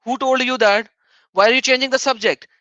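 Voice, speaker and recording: A man's voice: extremely high pitch, steady tone, brisk, bright, forceful tone, dry recording, muffled recording. A man whose native language is Urdu, hosting a heated livestream debate and reading out viewer donations, combative and insistently repeating his point.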